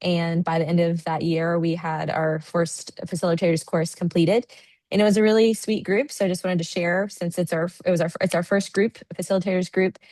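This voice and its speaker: Sleep-deprived American woman, low and dry. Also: little pitch movement, fairly quick, darkish tone, no echo, low-quality recording. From United States. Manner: chatty, friendly, many fillers. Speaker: guest presenter. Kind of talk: online presentation. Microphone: video call.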